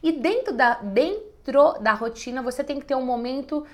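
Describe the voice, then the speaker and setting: A woman hosting a casual advice talk, answering viewer questions in a lively, expressive, direct way. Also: sits high, moderate pace. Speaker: host giving relationship advice.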